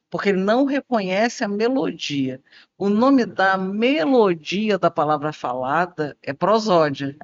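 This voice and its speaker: A woman who explains speech delivery and acts out examples with her voice. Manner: demonstrates intonation, lively shifts between low and high tones. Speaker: speech and voice expert. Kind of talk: explanatory conversation. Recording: dry, dull lo-fi sound.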